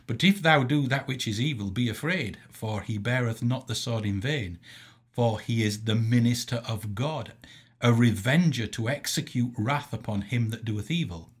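A man with a husky voice of medium pitch reads a scripted theological lecture. His delivery is formal and measured, like a teacher setting out an argument point by point. Quoted passages are marked off with deliberate emphasis. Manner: measured, didactic, emphatic enunciation of quotations. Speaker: Christian lecturer.

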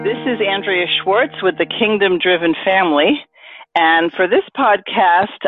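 A woman hosting an interview podcast, asking questions in a measured, conversational way. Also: fairly low pitch, no echo. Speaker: podcast host. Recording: tinny phone-line sound.

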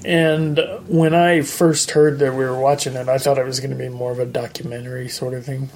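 A man's voice: mid-range voice, level tone, a little fast, a little mellow, slight background noise. A man hosting a podcast in casual chat, joking and playful with his co-hosts. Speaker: podcast host.

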